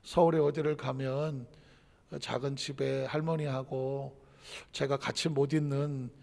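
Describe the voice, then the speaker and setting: A man preaching a sermon as pastor, with dramatic swings from quiet asides to loud shouted lines. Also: medium pitch, flat delivery, measured pace, gravelly, in a large hall.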